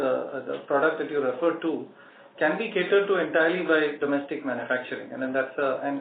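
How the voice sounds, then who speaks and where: A man answering questions as a company executive on an earnings call, halting and repeating words. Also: a little high, vocal fry. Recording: echoey, noisy narrowband phone line.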